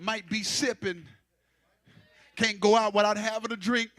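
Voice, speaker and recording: A man's voice: sits high, fairly even intonation, unhurried, a bit bright, dry recording. A man preaching a sermon into a pulpit microphone, building fervor and teasing the congregation to respond.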